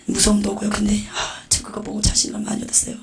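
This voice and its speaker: Fast, gravelly woman giving fervent testimony. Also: medium pitch, completely flat delivery. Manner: dramatic storytelling with whispered asides. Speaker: testimony preacher.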